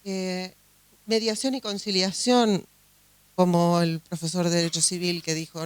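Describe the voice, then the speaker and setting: A woman's voice: fairly low pitch, dry recording. A woman from Uruguay with a Uruguayan Spanish accent, a judge giving a chatty conference talk full of fillers and restarts. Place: conference hall.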